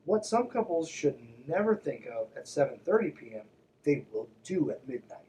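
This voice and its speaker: A man's voice: fairly high pitch, very animated, normal speed, warm tone, distant mic, slight background noise, poor audio. A man hosting a podcast, reading aloud and breaking in with mocking, irreverent, conversational asides. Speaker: podcast host.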